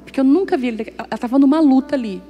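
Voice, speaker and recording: A woman's voice: high-pitched, very fast, mellow, big-room sound, soft background music. A middle-aged woman pastor, preaching and telling personal stories, acting out dialogue and joking with the congregation. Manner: storytelling, acts out dialogue, jokes with congregation.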